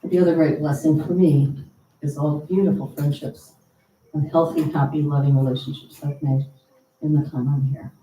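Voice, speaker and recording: A woman's voice: sits low, fairly even intonation, normal speed, mellow. A woman hosting a church service, giving announcements and welcoming guests in an earnest, heartfelt way. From United States. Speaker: service host. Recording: roomy, distant mic with faint hum.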